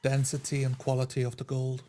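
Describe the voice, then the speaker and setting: A man playing a tabletop roleplaying game, narrating his character's actions in a matter-of-fact, deadpan way. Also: mid-range voice, fairly quick. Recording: noisy mic with clicks.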